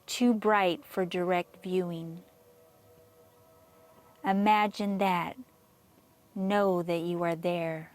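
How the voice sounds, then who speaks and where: A woman reading a scripted guided meditation in a measured, soothing manner with long pauses. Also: lowish voice, fairly even intonation.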